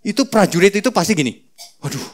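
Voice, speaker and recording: A man preaching a sermon as pastor, telling the story in a playful, animated way with many asides. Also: fairly high pitch, moderate pace.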